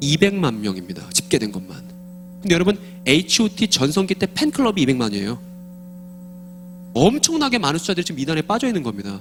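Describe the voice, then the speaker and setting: Over noticeable background noise, a man talks very fast in a high-pitched voice with very wide pitch swings and long, frequent pauses. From South Korea, Suwon. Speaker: lecturer on cults and eschatology. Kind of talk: church lecture. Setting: church with congregation. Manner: animated.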